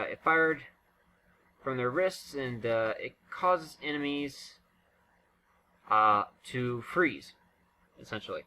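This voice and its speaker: Halting male gamer with bright, sharp voice. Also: mid-range voice, a little hiss or hum, rough recording. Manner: rambling, halting, self-interrupting. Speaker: gaming video commentator. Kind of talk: casual unscripted game walkthrough commentary.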